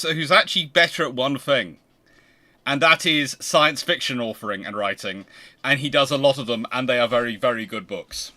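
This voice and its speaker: A man's voice: medium pitch, pushed and bright. A man hosting a casual history livestream, talking in an effusive, rambling way. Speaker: host of a naval history livestream.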